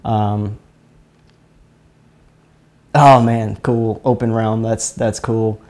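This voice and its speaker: A man with a Louisiana accent from the Chalmette area hosts a live stream teaching energy healing, casually talking through a hands-on exercise. He rambles, fumbles and repeats words. His voice is lowish, flat, very slow and slightly mellow.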